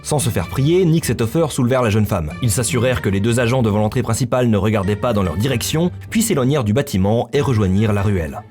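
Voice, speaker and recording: A man's voice: lowish voice, lively intonation, quick pace, few pauses, darkish tone. Male story narrator over music. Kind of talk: scripted literary narration. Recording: music bed under the voice.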